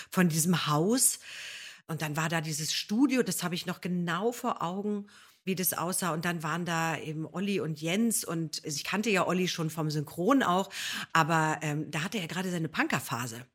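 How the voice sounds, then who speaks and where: A middle-aged woman from Berlin chatting casually as a guest, retelling memories in an animated way and often correcting herself mid-sentence. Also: fairly low pitch, husky. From Berlin, Germany. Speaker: guest, voice actress. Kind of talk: casual chat, telling anecdotes.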